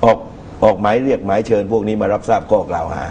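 Low, mellow middle-aged man in political commentary. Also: fast, dull audio, slight background noise. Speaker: political commentator, studio guest. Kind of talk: political talk show commentary. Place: TV studio. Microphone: lapel microphone.

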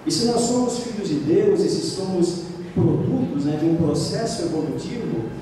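A man's voice: sits high, animated, normal speed, dark tone, distant mic, a little hiss or hum. Middle-aged man lecturing in an echoey hall. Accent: Brazilian Portuguese. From Brazil. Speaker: spiritist lecturer. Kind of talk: spiritist lecture. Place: lecture room at a spiritist center. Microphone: stand mic, filmed from across the room.

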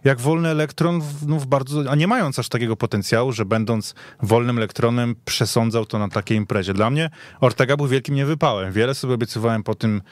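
A man's voice: medium pitch, fairly quick, hardly any pauses, dry recording. A man speaking informally as a guest pundit in a sports discussion. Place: radio studio.

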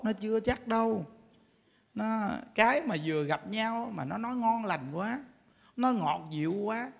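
Monk preaching; very high, bright voice; joking storyteller; long hall reverb. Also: male voice. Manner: humorous storytelling, laughs while talking. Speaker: Buddhist monk giving a Dharma talk. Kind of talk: sermon. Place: temple lecture hall.

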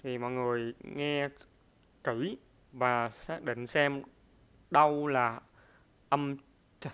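Man, pronunciation teacher, smooth resonant voice, hesitant with fillers, repeats example words. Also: medium pitch, fairly even intonation, slow pace, fairly bright tone. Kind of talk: pronunciation lesson.

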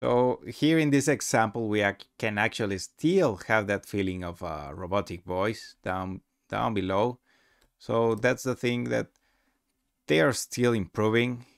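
Low, gravelly man presenting a demo. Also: a little slow, dry recording. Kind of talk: casual screen-recorded tutorial narration.

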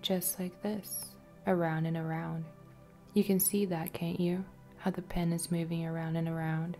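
A woman playing a soothing waitress hypnotist in an ASMR roleplay, with a soft, often whispery, breathy voice and a coaxing manner. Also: on the low side, level tone, soft background music. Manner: slow, repetitive, soothing, coaxing. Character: friendly waitress turned soothing, commanding hypnotist.

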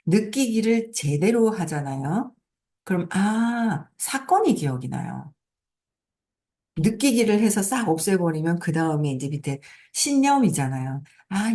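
A woman's voice: medium pitch, warm tone. A middle-aged woman hosting a casual motivational talk, telling stories in a chatty way with frequent laughs. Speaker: host.

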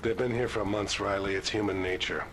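A wry, unflappable officer; low voice, distant archival recording playback. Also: male voice, fairly even intonation, brisk, fairly bright tone, slight background noise. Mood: dry calm. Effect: played back as an archival recording.

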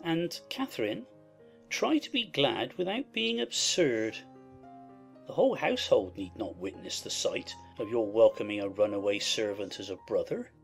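A woman voicing a fastidious, peevish, disdainful young husband in a reading of a classic novel. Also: very deep voice, expressive, vocal fry, faint music behind, voice pushed down, exaggerated voice. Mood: vexed.

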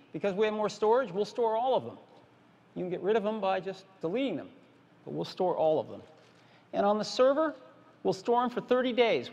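A man with a high, gravelly voice gives a product keynote from a big stage. He talks in plain, repeated phrases that drive each point home. His voice carries the long reverb of a large hall. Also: muffled recording. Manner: plain, repetitive, emphatic product pitch. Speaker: keynote presenter.

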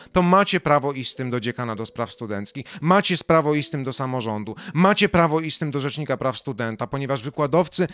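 A man delivers a sarcastic, mocking rant in a fairly high voice. He jumps from loud outbursts down to low, dry asides. Soft music plays faintly beneath him. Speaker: video commentator. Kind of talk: ranting commentary monologue.

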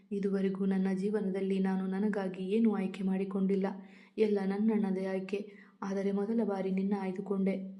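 Heartbroken young bride, read by a woman: pleading, emotional, dark and flat. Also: medium pitch, close to an everyday voice.

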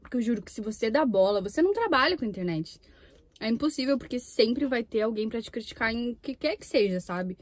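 Young woman from brazil, kinda high voice, chatting while she eats in her car. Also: lively intonation, fast talker. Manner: chatty, talks between bites. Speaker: mukbang YouTuber. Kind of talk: casual chat while eating. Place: inside a parked car. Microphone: camera on the dashboard.

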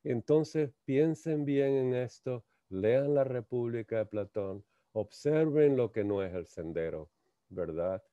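A man slowly lecturing on a spiritual text, halting and repeating words, asking rhetorical questions. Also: mid-range voice, dry recording. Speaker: lecturer on theosophy. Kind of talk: slow reflective spiritual lecture. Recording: muffled lo-fi dry sound.

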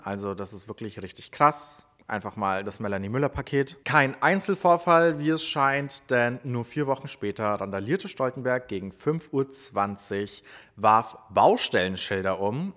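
A man's voice: on the low side, fairly bright tone. A young man doing casual news commentary, chatty and sarcastic, with many fillers. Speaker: commentary YouTuber.

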